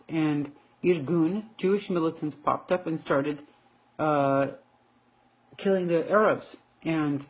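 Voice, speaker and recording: A woman's voice: low-pitched, a little mellow, husky, lo-fi sound. A woman from the United States speaking straight to camera in an indignant, emphatic rebuttal, repeating her points for stress. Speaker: video commentator. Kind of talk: direct-to-camera rebuttal monologue.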